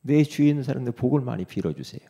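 A male pastor delivers an animated sermon with a heavily gravelly, husky voice. His tone is dark and low, and his pitch leaps around as he speaks God's reassurances straight to the listener, rising to loud exhortation and dropping to soft, near-whispered comfort. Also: rapid-fire.

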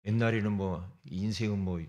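A man's voice: fairly low pitch, steady tone, normal speed, a little mellow. A man preaching a sermon as pastor, emphatic, often throwing rhetorical questions at the congregation.

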